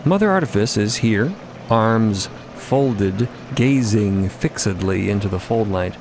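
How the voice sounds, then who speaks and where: Deep-ish guy narrator, vivid story podcast style, chatty asides, loud rumbly ambience under it. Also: expressive, takes it slowly, background noise. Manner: vivid, descriptive, conversational asides. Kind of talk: dramatic present-tense story narration.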